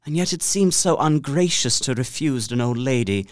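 A man plays a proper young English solicitor narrating his diary for an audio drama. He is precise and earnest, with lively, varied intonation in a dry, close recording. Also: mid-range voice, normal speed, no echo, close to an everyday voice. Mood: uneasy. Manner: expressive, precise, faintly bemused.

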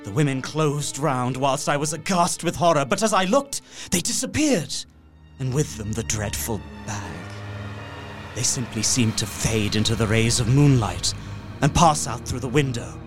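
Radio-play narrator, male actor: horrified young solicitor, earnest, formal, mid-pitched, light music bed. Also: expressive, moderate pace, lightly acted. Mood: aghast. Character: Jonathan Harker, horrified young solicitor recounting his journal. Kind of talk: dramatic first-person narration, radio play.

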